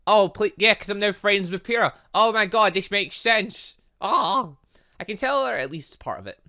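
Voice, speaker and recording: A man's voice: high-pitched, moderate pace. A man giving casual let's play commentary on a visual novel, reading aloud and reacting with exclamations. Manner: animated, exclaiming, reacting as he reads. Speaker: gaming channel host.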